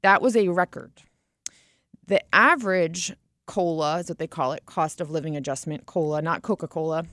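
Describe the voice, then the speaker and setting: A woman's voice: sits low, moderate pace, fairly bright tone, dry recording. A woman radio host and financial advisor talking in a chatty, casual way, laughing easily.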